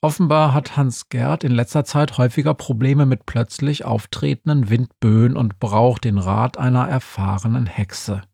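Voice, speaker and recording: A man's voice: medium pitch, steady tone, normal speed, creaky, hardly any pauses, mellow, breathy edge, no echo. A man reading an audiobook in a dry, matter-of-fact storytelling manner. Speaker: narrator. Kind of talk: audiobook narration.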